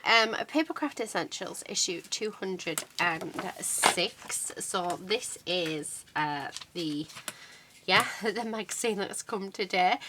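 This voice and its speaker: A middle-aged woman congested from a cold chats and rambles on her channel while showing a craft magazine, using many fillers. Her medium-pitched voice is bright and forceful, with a little hiss or hum in the recording.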